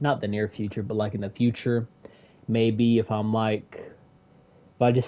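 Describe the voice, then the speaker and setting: A man mumbling in a dark, mellow tone with monotone, flat intonation. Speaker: gaming youtuber. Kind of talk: casual video game review. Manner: halting, many fillers.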